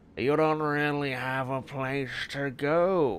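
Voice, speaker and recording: Using a put-on character voice, a man speaks at a fairly high pitch with fairly even intonation and a fairly slow pace. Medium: game stream. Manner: prying, insistent, smug.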